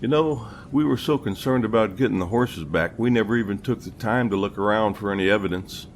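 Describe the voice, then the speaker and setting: A man playing a seasoned old captain in an audio drama, telling his story in a steady, folksy, unhurried way. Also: fairly low pitch, a little hiss or hum, close to an everyday voice. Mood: reflective. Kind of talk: audio drama narration and dialogue.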